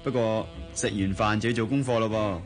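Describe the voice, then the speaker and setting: A man's voice: lowish voice, steady tone, a little fast, soft background music, lightly acted. An actor playing a generous but bossy young male suitor with a Hong Kong Cantonese accent, talking in a teasing way in a radio drama.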